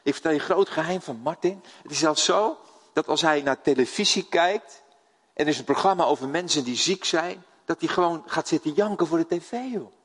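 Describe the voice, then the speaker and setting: A man's voice: on the high side, brisk. An older Dutch man preaching a sermon, telling stories and putting questions to his congregation. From Netherlands. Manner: lively storytelling, asks the audience questions. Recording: long hall reverb.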